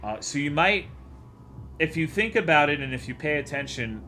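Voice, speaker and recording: A man from Texas chatting with his stream audience between game scenes. He talks in sarcastic, profane, rambling asides, his voice sitting slightly high for a man. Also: animated, moderate pace, bright, forceful tone, a little hiss or hum. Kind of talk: casual stream chat.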